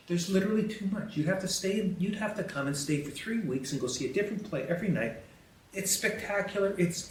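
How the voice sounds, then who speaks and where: A man's voice: on the high side, fairly bright tone, a little hiss or hum. A man hosting a history podcast, talking in a conversational, colloquial and emphatic way as he gives a commentary. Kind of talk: animated commentary with newspaper headlines read aloud. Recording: echoey room, distant from the mic.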